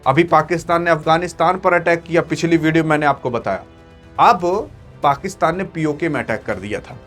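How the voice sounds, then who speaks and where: A high-pitched man delivers online news commentary in an emphatic, dramatic way, pressing each point on his listeners. Faint music runs softly under his voice throughout. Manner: dramatic, emphatic, talks straight to viewers. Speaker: news video host. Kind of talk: excited news commentary to camera.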